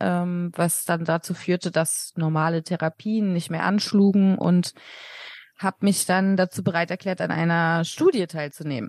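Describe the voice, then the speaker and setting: Delivered at a fairly slow pace, the speech has a dry, close sound with no echo over a quiet background. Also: woman. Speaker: model. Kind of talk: casual chat.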